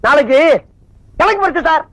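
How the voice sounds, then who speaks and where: A man's voice: extremely high pitch, animated, moderate pace, vocal fry, a bit bright, no room sound, exaggerated voice. A man playing a comic villager, talking in a deferential, polite way. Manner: deferential, ends lines with polite -nga. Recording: dull dry lo-fi film soundtrack.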